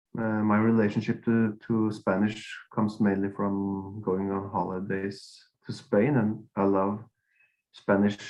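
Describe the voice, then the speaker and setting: A man talks at a very slow pace with a Norwegian accent. His pitch is fairly low and his intonation fairly even. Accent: Norwegian accent, non-native English. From Norway. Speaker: pastor. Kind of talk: interview podcast.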